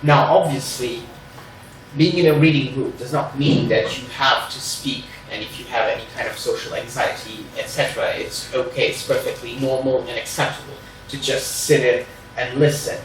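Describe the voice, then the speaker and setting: A man's voice: mid-range voice, normal speed, slight background noise. Portuguese guy, not a native english speaker, explaining group rules, lots of "sort of", far from the mic, big echo. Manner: careful, hedging, many "sort of" fillers. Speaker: reading group organizer. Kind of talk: informal introductory talk to a group. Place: room at a group meeting. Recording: very echoey room, mic far off.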